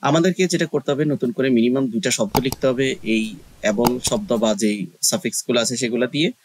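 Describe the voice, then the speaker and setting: A man's voice: medium pitch, fairly quick, background noise. A man giving a casual English lesson, explaining step by step with frequent hesitations. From Bangladesh. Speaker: online English tutor.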